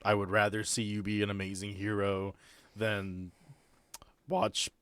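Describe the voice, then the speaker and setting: A man's voice: lowish voice, flat delivery, measured pace, a bit bright, clean tone, no echo. A man casually narrating a tabletop role-playing game as game master.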